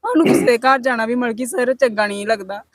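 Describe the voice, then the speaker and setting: A woman's voice: fairly high pitch, fast talker, no echo, studio quality. A young woman from Punjab with a Punjabi accent, pleading in an interview about her family's troubles, often breaking into tears. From Punjab, India. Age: young adult. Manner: pleading, addresses interviewer as sir constantly, many fillers. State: crying at times. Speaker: flood victim interviewee. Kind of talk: emotional interview testimony.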